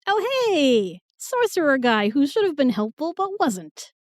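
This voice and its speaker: Woman acting a lively, flippant young heroine. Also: high voice, measured pace, no echo, heavily acted. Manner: casual, flippant, excitable. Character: irreverent, plucky modern young woman in fantasy world. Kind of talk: fantasy audio drama acting.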